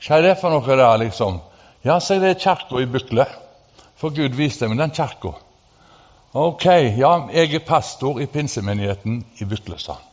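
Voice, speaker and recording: A male preacher of medium pitch delivers sermon testimony as a story, growing animated and rising to fervent emphasis. He halts often, using fillers and restarting. The sound is dull, with long reverb from the hall.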